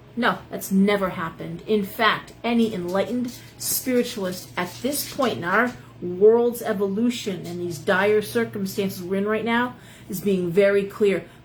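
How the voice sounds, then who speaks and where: With music in the background and audible room echo, a woman talks at a medium pitch with ordinary pitch variation. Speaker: shop owner hosting a livestream. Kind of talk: live stream chat. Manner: fast when excited; animated.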